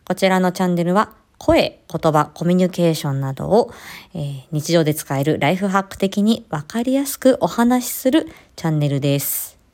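Woman host with a lively, varied pitch. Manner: polite, courteous, frequent filler pauses. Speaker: podcast host, speech-language-hearing therapist. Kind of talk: podcast introduction.

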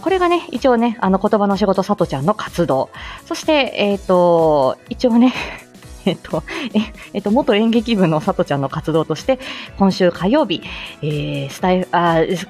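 A woman in her forties hosting a casual live stream, chatty and humble, laughing often and filling pauses as she greets listeners. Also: lowish voice, a little mellow.

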